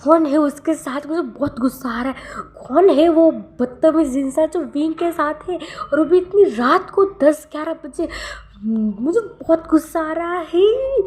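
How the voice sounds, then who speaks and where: A woman doing a possessive young boss who has lost his temper and shouts in strained bursts. His voice climbs high when he rages and sinks when he sulks. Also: moderate pace, natural voice. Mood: furious. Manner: raised, strained outbursts. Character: young man in a jealous rage, possessive boss.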